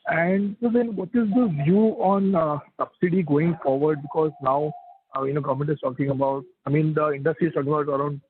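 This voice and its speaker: A man's voice: fairly high pitch, fairly even intonation, fairly quick, slight background noise. A man with an Indian accent, an analyst asking polite, hesitant questions on an earnings call by phone. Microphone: telephone. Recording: thin phone-line audio.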